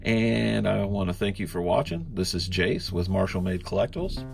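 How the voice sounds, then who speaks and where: A man's voice: sits low, moderate pace, creaky, over music. A man reviewing a collectible figure in a laid-back, rambling way, sounding congested from a cold. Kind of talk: casual unboxing review.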